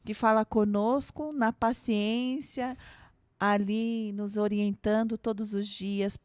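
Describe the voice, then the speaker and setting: A Brazilian woman, a pastor, talking casually and softly, laughing easily. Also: medium pitch, steady tone, takes it slowly, no echo, clean studio sound. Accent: Brazilian Portuguese. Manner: soft, warm-toned asides, laughs easily. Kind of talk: casual conversation.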